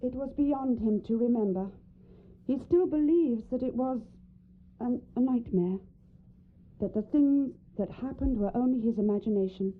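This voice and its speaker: A woman plays an anxious young wife in a radio drama, genteel and earnest. The voice is fairly high and politely troubled, over a narrow, telephone-like recording. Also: moderate pace, close to an everyday voice. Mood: earnest, guarded. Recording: tinny, narrow band like phone line.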